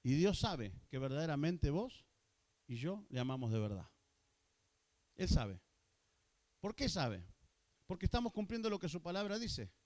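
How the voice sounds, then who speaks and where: A male pastor with an Argentine Spanish accent preaching a sermon to his congregation, asking them questions and building to loud, emphatic high peaks. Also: big pitch swings, a little slow, pauses often. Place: church hall.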